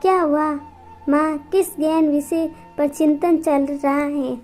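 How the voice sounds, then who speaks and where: A woman's voice: high-pitched, steady tone, slow, a little mellow, faint music behind. A woman voicing a grown son who teases his mother in mock-formal words. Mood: teasing. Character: adult son, jokey and light.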